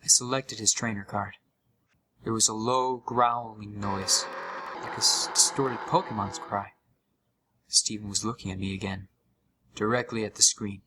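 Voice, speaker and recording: A man playing a haunted gamer, narrating a scripted horror story with deliberate, dramatic pauses full of dread. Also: fairly low pitch, steady tone, noisy background, lightly acted. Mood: uneasy dread.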